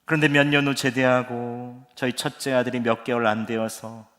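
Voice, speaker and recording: A man's voice: mid-range voice, moderate pace. A middle-aged man preaching a sermon as pastor, telling stories vividly and acting out the people he quotes. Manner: animated storytelling that acts out quoted speech. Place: church sanctuary. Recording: long reverb of a church hall.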